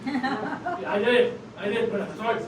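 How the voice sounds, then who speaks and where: A man plays a very high-voiced frog reporter who puts on a solemn newsreader tone. He is heard from far across an echoing stage, with noise in the background. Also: measured pace. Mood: rallying. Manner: mock-authoritative newsreader delivery, breaks into laughter. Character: male frog news reporter, earnest, self-important. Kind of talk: live improv comedy. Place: theater stage with audience. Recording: echoey stage from far off, noisy.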